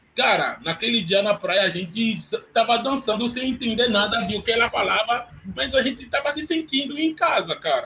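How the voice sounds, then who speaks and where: A man with an extremely high pitch uses a raised, projected voice and lively intonation. He keeps a moderate pace with hardly any pauses amid noticeable background noise. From Benin. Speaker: musician. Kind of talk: casual chat. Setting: studio.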